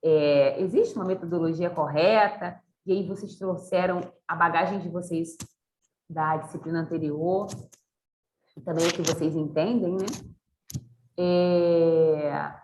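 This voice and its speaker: A woman's voice: lowish voice, steady tone, unhurried, darkish tone. Chatty woman teacher in an echoey room. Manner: chatty, encouraging, uses many fillers. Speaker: university teacher. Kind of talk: online class discussion. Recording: echoey room with faint noise.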